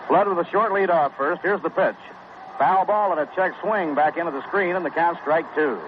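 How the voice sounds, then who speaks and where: A man calls a baseball game play-by-play on the radio, brisk and even-toned, reading stats between pitches. It sounds like a tinny, noisy 1960s AM radio broadcast.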